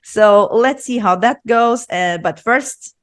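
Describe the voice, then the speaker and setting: A woman hosting a casual podcast interview, bubbly and quick to laugh. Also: on the high side. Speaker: podcast host.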